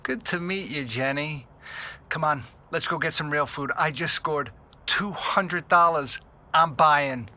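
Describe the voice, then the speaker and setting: A man's voice: fairly high pitch, measured pace, sharp tone, slight background noise. An actor playing a street-wise, guarded hacker in his thirties, fresh out of prison, in an audio drama with a wry delivery. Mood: wry, relaxed. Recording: music behind the voice.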